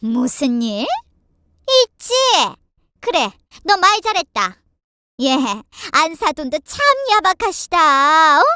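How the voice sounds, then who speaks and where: A woman's voice: very high voice, sing-song, bright, forceful tone, dry recording, clean studio sound, pitched above the performer's own voice, heavily acted. A woman voicing a nagging, indignant older mother-in-law with a scolding, haughty manner in a dramatized family story. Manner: scolding, haughty, rapid complaints.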